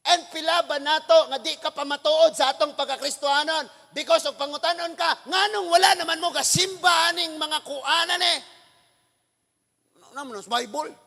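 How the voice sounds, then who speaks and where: Male pastor from the Philippines, very high and forceful voice, animated sermon, long hall reverb. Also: moderate pace, gravelly. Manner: animated preaching, mixing in English scripture, bursts of shouting.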